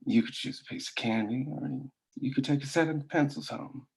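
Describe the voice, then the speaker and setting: An actor playing a patient, self-assured and menacing company owner in a script table read, telling his story in a measured, deliberate way. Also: medium pitch, gravelly, darkish tone, husky. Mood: smug, deliberate.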